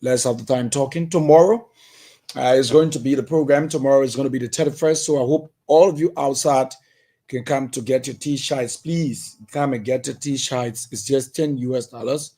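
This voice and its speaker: A man's voice: medium pitch, fairly even intonation, moderate pace, dark tone. A man with a Liberian English accent hosting a live call-in radio program and reading out phone numbers. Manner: announcing phone numbers and taking calls. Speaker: radio show host.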